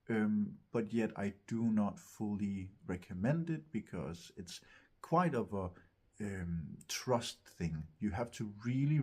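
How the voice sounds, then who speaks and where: Husky guy vocal coach explaining stuff, kinda low voice, takes his time, searches for words. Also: darkish tone. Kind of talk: instructional talk to camera.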